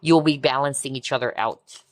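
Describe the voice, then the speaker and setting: A woman giving a collective tarot reading in a soft, reassuring way, often breaking into amazed exclamations. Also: rumbling low, moderate pace, no room sound. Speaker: tarot reader. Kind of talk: pick-a-card tarot reading.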